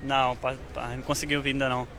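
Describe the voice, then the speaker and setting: A man's voice: medium pitch, level tone, racing, pushed and bright, some chatter behind. A man from the Rio de Janeiro countryside, easygoing and modest in a street interview. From Rio de Janeiro state, Brazil. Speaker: passer-by interviewee. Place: outdoors on a busy city street. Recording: faint street noise.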